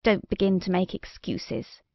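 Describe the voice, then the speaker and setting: Woman doing a mean old bossy fairy, slow cold voice, storybook, dry muffled sound. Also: mid-range voice, level tone, no echo, natural voice. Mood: imperious. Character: oldest, most wicked female fairy, rude and imperious. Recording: dry, slightly dull recording.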